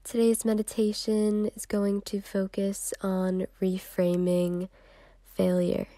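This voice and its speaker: A woman leading a guided meditation in a soft, soothing, unhurried way with long pauses, breathy at times. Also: mid-range voice, completely flat delivery, dry recording, clean studio sound.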